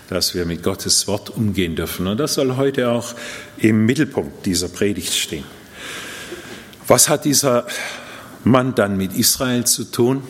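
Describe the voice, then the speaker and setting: A middle-aged man raised bilingual in Japan gives an earnest, slow, emphatic sermon in the style of a personal testimony. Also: lowish voice. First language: Japanese and German, raised bilingual. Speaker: preacher. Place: church hall. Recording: reverberant church hall.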